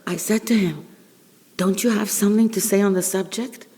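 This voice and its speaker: A woman's voice: medium pitch, fairly even intonation, dark tone. Older Israeli woman storyteller in a reverberant hall. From Israel, born in Bulgaria. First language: Ladino. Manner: theatrical, wry, deliberate pauses. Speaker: public speaker, veteran journalist. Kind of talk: humorous personal storytelling to an audience.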